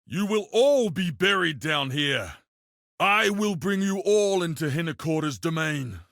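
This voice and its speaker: Slow-spoken, proud tribal warrior. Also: male voice, on the high side, expressive, creaky, fairly bright tone, dry recording, clean studio sound, heavily acted. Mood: fierce battle cry. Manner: solemn, declamatory, measured delivery. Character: proud, fierce Karui tribal warrior man, solemn and honour-bound. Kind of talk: video game character voice lines.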